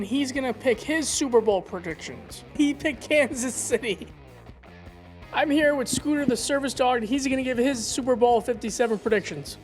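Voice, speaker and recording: A female reporter with a high voice presents a light local TV sports segment. Music plays faintly behind the voice.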